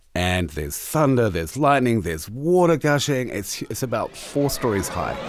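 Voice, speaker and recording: A man talks at a medium pitch and a moderate pace with hardly any pauses. His pitch swings very widely over noticeable background noise. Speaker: museum director. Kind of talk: interview.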